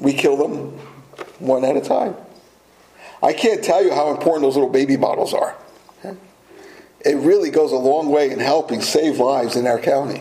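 Amid noticeable background noise, a man with a fairly high pitch and ordinary pitch variation talks at a moderate pace with long, frequent pauses. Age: 50s. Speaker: pastor. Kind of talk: sermon. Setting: church.

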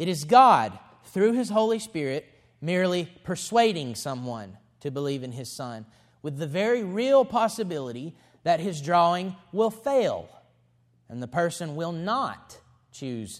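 In a Southern US accent, a man speaks at a fairly slow pace and a high pitch, with very wide pitch swings and big swings in loudness, on a very clean recording with a silent background. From US South, Alabama. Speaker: pastor. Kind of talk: sermon. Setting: church.

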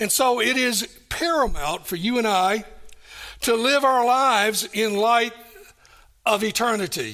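An extremely high-pitched man with an American accent, voice raised and projected, at a fairly slow pace with long, frequent pauses and ordinary pitch variation. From US South, Kingsport, East Tennessee. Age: 70s. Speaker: pastor. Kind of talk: sermon. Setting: church.

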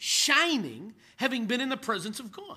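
A man speaks in a raised, projected voice with an extremely high pitch and a bright, sharp tone. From Canada. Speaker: missionary. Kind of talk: sermon. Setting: church.

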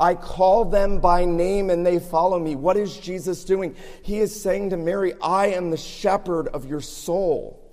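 A man with a high pitch talks at a fairly slow pace with fairly even intonation, and audible room echo surrounds him. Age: 40s. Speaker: pastor. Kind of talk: sermon.

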